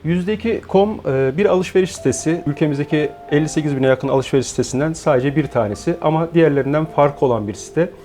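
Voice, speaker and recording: A man in his forties, born in Turkey, answering interview questions in a measured, explanatory way with frequent hesitant fillers. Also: a little high, warm tone, a little hiss or hum. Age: 40s. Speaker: guest, founder of an online shop.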